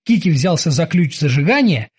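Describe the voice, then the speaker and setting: A man narrating a children's adventure story with a lively, expressive reading. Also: on the high side, normal speed, slightly rough. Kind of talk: audiobook reading.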